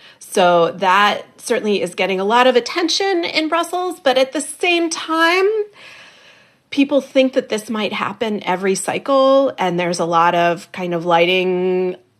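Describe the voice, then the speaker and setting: Her pitch fairly high and swinging very widely, a woman speaks with an American accent. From United States. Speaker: podcast host and journalist. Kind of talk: interview.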